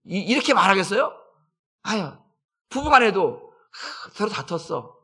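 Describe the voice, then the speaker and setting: A male pastor preaching a dawn sermon in church, swinging between loud, urgent bursts and soft, low asides. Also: big pitch swings, unhurried, slightly rough. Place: church sanctuary.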